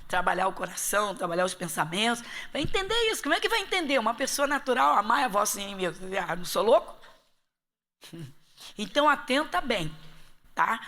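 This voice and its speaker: Woman pastor with a Rio accent, emphatic Bible teacher, bright and rather high voice. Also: big pitch swings, a little fast. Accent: Rio de Janeiro Portuguese. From Brazil. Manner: emphatic, asks the class rhetorical questions.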